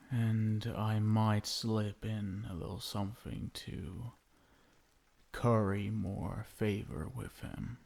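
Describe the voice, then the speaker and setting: A possessive, lovestruck vampire husband, acted by a man for an ASMR roleplay, menacing yet doting. His voice is low and dark, crooning very slowly with lingering pauses and a gravelly edge. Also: heavily acted. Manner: hushed, crooning, lingering pauses, tender pet names. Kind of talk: intimate ASMR roleplay, soft and slow.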